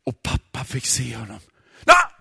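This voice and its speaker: A man telling a story dramatically, swinging from hushed near-whispers to loud outbursts. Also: high-pitched, expressive, dry recording, clean studio sound. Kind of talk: expressive story narration.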